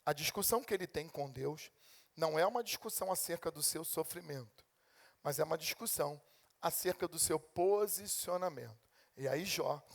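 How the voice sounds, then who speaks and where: A man preaching a sermon as a pastor with a Brazilian Portuguese accent, acting out God and his congregation in turn. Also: high voice. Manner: animated preaching, acting out God and complaining believers.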